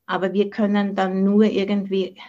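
A woman's voice: medium pitch, completely flat delivery, moderate pace, mellow. Austrian woman giving a casual buddhist talk, mixes in english words, kinda muffled lo-fi zoom sound. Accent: Austrian German. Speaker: Buddhist nun and meditation teacher. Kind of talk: informal dharma talk. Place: online video call from the monastery. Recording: dull, band-limited video call audio.

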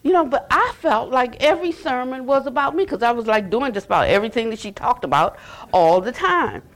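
An older woman teaching at a retreat center, telling stories in an animated, conversational way, full of restarts and "you know". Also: fairly high pitch, a little fast, low-quality recording. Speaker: Buddhist teacher. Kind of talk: dharma talk. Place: retreat center meditation hall.

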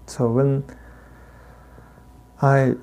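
Slow, mellow man with heavy Tibetan accent. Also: mid-range voice, level tone, slight background noise. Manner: halting, deliberate phrasing. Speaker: Buddhist teacher. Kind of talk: informal dharma talk.

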